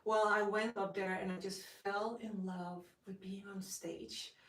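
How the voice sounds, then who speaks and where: A woman's voice: mid-range voice, level tone, a little slow, fairly bright tone. A young Dutch woman with a Dutch accent, a guest actress talking with gushing enthusiasm and lots of fillers. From Netherlands. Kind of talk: casual interview. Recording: roomy, distant from the mic.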